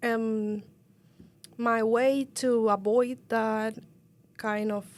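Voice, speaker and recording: A woman with a Cuban accent speaks at a fairly high pitch and a very slow pace. Her intonation stays flat and monotone. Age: 20s. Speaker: ESL student. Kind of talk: interview testimony. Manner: halting, searching for words.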